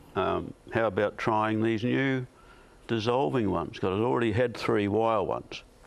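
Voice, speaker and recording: Speaking in a New Zealand accent, a man keeps a fairly low pitch with ordinary variation, a moderate pace, and very even loudness. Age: 60s. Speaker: heart patient, motel owner. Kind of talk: TV interview. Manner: enthusiastic, animated.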